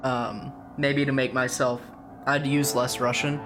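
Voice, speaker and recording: A man's voice: mid-range voice, flat delivery, a little slow, over music. A man playing a tabletop game, talking tentatively with many fillers. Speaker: player. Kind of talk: casual tabletop play.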